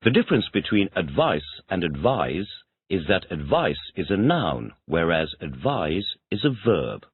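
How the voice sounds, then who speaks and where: A man's voice: low voice, big pitch swings, measured pace, hardly any pauses, husky, dry recording. A man taking an English lesson, answering each question by repeating it back in complete sentences. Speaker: English student. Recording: tinny phone-like dry audio.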